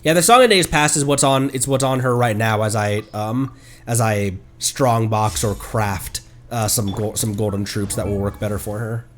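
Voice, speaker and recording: A man giving casual livestream gameplay commentary, halting as he thinks aloud. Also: fairly low pitch, a bit bright, slight background noise. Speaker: game streamer. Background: game music.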